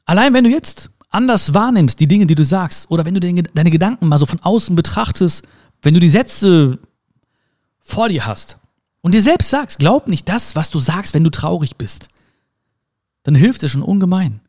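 A man's voice: high-pitched, normal speed. A man giving a casual motivational monologue, talking straight to the listener with rhetorical questions and playful sound words. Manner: animated, addresses listener directly with rhetorical questions.

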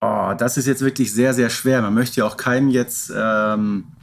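A man's voice: mid-range voice, steady tone, moderate pace, vocal fry. A man co-hosting a podcast in casual, conversational talk. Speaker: podcast co-host.

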